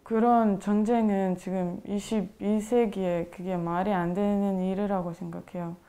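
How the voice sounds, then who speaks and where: Young woman, mellow and halting. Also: medium pitch, fairly even intonation. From Ukraine. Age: 20s. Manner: halting, searching for words. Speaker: interviewee. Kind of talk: interview.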